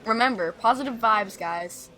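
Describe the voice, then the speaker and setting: A woman voicing a cautious, peace-loving school friend in an animated roleplay. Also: fairly high pitch, moderate pace, low-quality recording. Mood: cautioning.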